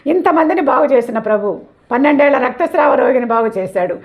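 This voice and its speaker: An older woman with a fairly high voice tells her faith testimony in an earnest, repetitive way. The recording sounds dull and lo-fi. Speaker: church member giving testimony.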